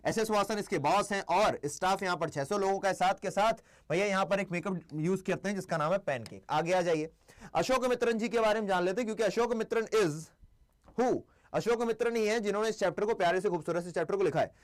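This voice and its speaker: This is a young man teaching a class on a live stream, and his voice sits high and light. He chats easily, switches between Hindi and English, and quizzes the class aloud. He drops his pace to dictate the important points. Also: brisk. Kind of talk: live-stream exam lesson.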